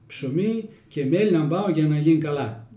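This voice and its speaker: A man's voice: fairly high pitch, lively intonation, mellow, close to an everyday voice. A man voicing an innocent little village girl in a folk tale, speaking with a Kozani accent. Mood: naive. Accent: Kozani Greek dialect. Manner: naive, questioning. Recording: roomy echoey room.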